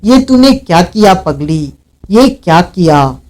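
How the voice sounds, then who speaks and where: A vengeful, hot-tempered outlaw man who snarls and shouts his threats, as an audiobook narrator puts him on. The voice sits high and moves slowly and heavily, every word pressed out with menace. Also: sing-song, exaggerated voice. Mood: wounded. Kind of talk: audiobook character reading.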